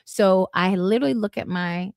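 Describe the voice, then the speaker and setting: A middle-aged woman telling a lively story as a guest in a casual podcast chat, with sudden bursts of excitement. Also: mid-range voice, moderate pace, vocal fry, no echo, clean studio sound. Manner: animated, vivid retelling with bursts of excitement.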